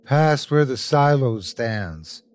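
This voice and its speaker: A man's voice: mid-range voice, animated, slow pace, no echo. A man voicing a sickly, terrified, half-mad bearded man who pleads and chants in a storybook narration. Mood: weak, slow. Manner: pleading, crying out, chanting repetitively.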